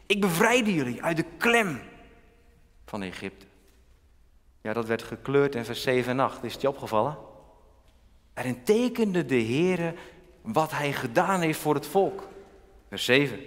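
A male pastor preaching a sermon in a church, animated and rising loud when he voices God's words. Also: mid-range voice, a little slow, pauses often. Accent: Dutch. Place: large church. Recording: long church reverb.

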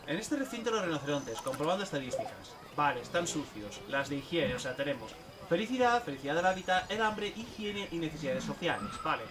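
A man streaming a zoo game, chatting casually and coaxing the animals in a playful, excitable way. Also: on the high side, fairly quick, distant mic, background noise. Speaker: gameplay streamer. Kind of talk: casual gameplay commentary.

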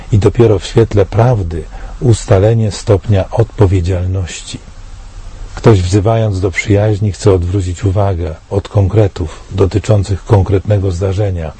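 A man in his sixties from Poland, giving a solemn, measured commentary read to camera in a studio. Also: lowish voice, mellow, breathy edge.

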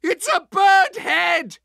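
Manic mad scientist for a game, bird head, really high, sharp. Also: male voice, gravelly, dry recording, studio quality, heavily acted. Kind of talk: theatrical video game acting.

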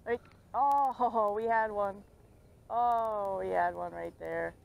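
A young woman chatting excitedly while fishing at a pond, filmed on a head-mounted action camera. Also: medium pitch, takes it slowly, creaky, low-quality recording. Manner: excited, chatty, laughs often. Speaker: fishing vlogger. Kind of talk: casual commentary while fishing. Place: outdoors at a pond bank.

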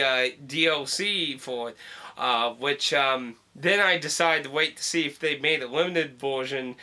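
A man's voice: medium pitch, pushed and bright. A young man talking casually about games he collected, rambling with many fillers and restarts, at home. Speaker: video game collector vlogger. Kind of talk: casual unboxing vlog. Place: home room with wall shelf.

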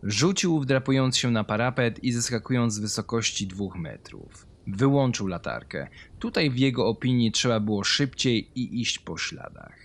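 A man's voice: medium pitch, lively intonation, moderate pace, few pauses. A man reading a scripted horror story as its narrator.

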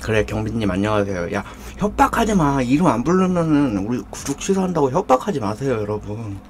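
A man's voice: mid-range voice, sing-song, fast talker, darkish tone, a little hiss or hum. A man hosting a live mukbang stream, eating and joking while he greets viewers from the chat. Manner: jokey, banters with viewers, reads out chat names. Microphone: desk condenser mic.

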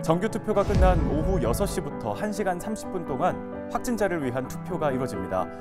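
A man presenting a local news briefing in a lively announcer's delivery. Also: high voice. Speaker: news anchor. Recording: music bed behind voice.

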